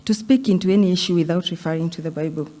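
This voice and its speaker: A woman, a talk show guest, speaking softly and laughing easily as she tells a story. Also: fairly low pitch, very fast. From Kenya. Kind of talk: casual studio chat.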